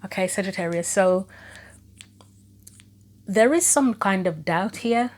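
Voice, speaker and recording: Her medium-pitched voice is expressive, slow and a little mellow. The host of her own tarot channel, she gives an informal reading, talking through possibilities as she goes, with her throat a bit troubled and her voice beginning to fail.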